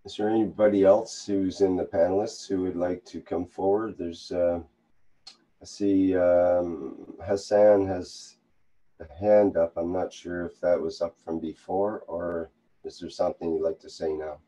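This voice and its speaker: A man's voice: low-pitched, flat delivery, unhurried, mellow, poor audio. A man moderating an online panel, polite and orderly, calling on speakers in turn. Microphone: video call.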